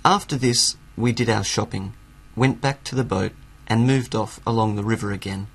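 Man reading a story for english learners, slow and clear, husky and gravelly. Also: lowish voice. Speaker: story reader.

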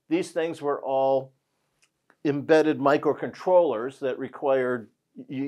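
A man's voice: fairly high pitch, a little mellow. An older man giving a whiteboard lesson on industrial networks, talking conversationally with frequent restarts and fillers, recorded on a lapel mic in a studio. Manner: conversational, many restarts and "you know"s, pointing at a whiteboard. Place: indoor studio in front of a whiteboard.

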